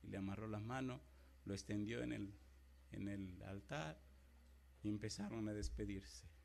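A middle-aged pastor preaching a sermon, moving between loud, emphatic declarations and quiet, tender storytelling. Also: male voice, fairly low pitch, moderate pace, creaky, slight background noise. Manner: dramatic preaching that swings from loud exclamations to hushed storytelling.

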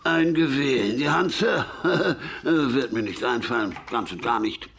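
An actor playing a gruff older male gunsmith in a German radio play, scolding and mocking a young newcomer. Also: mid-range voice, expressive, unhurried, fairly bright tone, slight background noise.

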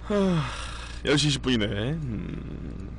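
Male streamer, strained recovering voice, rambling blunt banter, swearing, lively pitch swings. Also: slow pace, soft background music. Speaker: live streamer. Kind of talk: casual live-stream chat.

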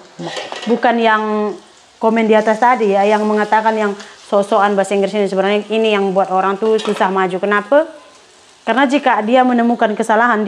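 A woman's voice: mid-range voice, slight background noise. A middle-aged woman from Indonesia in her speech, chatting casually to viewers while she cooks in a home kitchen. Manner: chatty, addresses viewers as pemirsa. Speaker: cooking vlogger. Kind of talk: casual chat while cooking.

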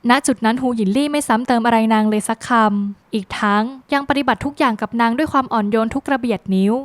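A woman narrating a scripted drama plot recap in a brisk, lively storytelling manner with dramatic phrasing. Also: fairly high pitch, no room sound.

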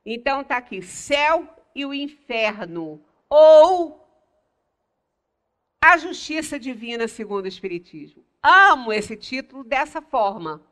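An older woman with a Brazilian Portuguese accent giving a religious study talk in a small meeting room, explaining slowly and stressing single words. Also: high-pitched, big pitch swings, fairly bright tone. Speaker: lecturer at a spiritist center.

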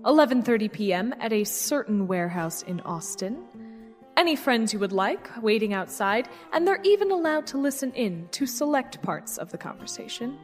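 A woman's voice: on the high side, very animated, moderate pace. An actress playing a condescending female villain in command, politely mocking, in an audio drama. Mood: smug, teasing. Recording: long reverberant hall, faint music underneath.

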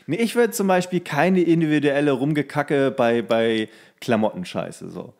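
A man's voice: medium pitch, animated, normal speed, gravelly, a little mellow. Grumbling, crude man ranting casually. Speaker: podcast co-host. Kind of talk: casual chat, ranting banter.

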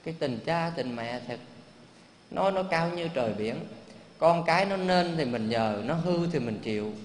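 A man's voice: a little high, expressive, normal speed. A man, a Buddhist monk giving a sermon, telling a moving story in a conversational, emotional way with rhetorical questions. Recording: long reverb, faint background hum.

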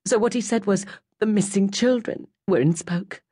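A woman's voice: mid-range voice, normal speed, breathy edge, voice pushed up, lightly acted. Woman voicing a weeping, overjoyed mother. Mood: tearful, overwhelmed. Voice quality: breaking, trembling voice. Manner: hushed, urgent, emotional. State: crying. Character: tearful overjoyed mother, middle-aged woman. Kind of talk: audiobook character voice.

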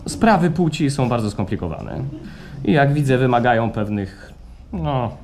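A man's voice: mid-range voice, very animated, unhurried, darkish tone. An actor playing an eager, fussy technician in a radio play, pressing his case persuasively. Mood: brisk, eager. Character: eager, insistent technician selling staged re-creations of feelings. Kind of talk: radio play acting before a live audience. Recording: live stage recording with background noise.

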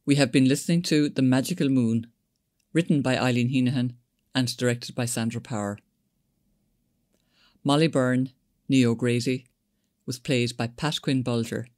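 A man's voice: mid-range voice, fairly even intonation, normal speed, long pauses, darkish tone, dry recording, studio quality. A man reading scripted closing credits as a radio drama announcer.

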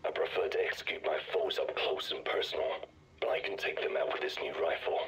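Brief: a ruthless sniper ally in a game, hushed husky delivery, calm menace. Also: male voice, rumbling low, normal speed, low-quality recording. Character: gruff male sniper ally, cool and ruthless. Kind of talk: game voice acting.

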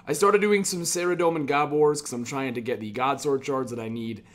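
A man's voice: medium pitch, a little fast. A man giving casual, chatty commentary over his own gameplay, upbeat and prone to casual swearing. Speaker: gaming YouTuber.

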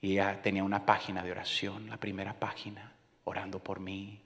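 A pastor giving a sermon on a church stage, swinging from loud, passionate preaching to soft, hushed whispers. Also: male voice, sits low, completely flat delivery, fairly quick, in a large hall.

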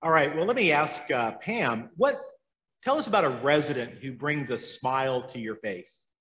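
Polite moderator in a roomy hall. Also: male voice, mid-range voice, lively intonation, moderate pace, fairly bright tone. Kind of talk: moderating a panel.

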